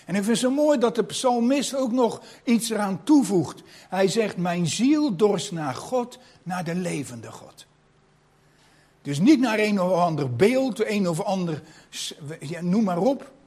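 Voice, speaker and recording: A man's voice: sits high, animated, measured pace, a little mellow, breathy edge. A man preaching a sermon in a reflective, personal way, asking his listeners rhetorical questions.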